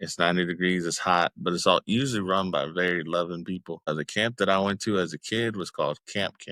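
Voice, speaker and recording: On a very clean recording with a silent background and a dry, close sound with no echo, a man with a very deep, low pitch and a bright, sharp tone speaks at a fairly quick pace with fairly even intonation. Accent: Texan. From Texas, San Antonio. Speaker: podcast host. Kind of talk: casual monologue.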